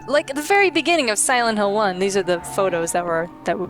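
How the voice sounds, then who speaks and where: Woman, casual let's play host, chatty, opinionated, clear game music behind. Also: medium pitch, big pitch swings, quick pace. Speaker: host playing and presenting a video game. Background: video game music.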